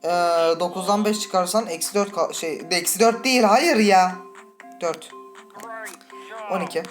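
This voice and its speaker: A woman playing a horror game and commenting with a Turkish accent, chatty and full of swearing, breaking into startled high shrieks. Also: unhurried. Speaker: gaming channel host. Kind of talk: let's play commentary. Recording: faint game music behind.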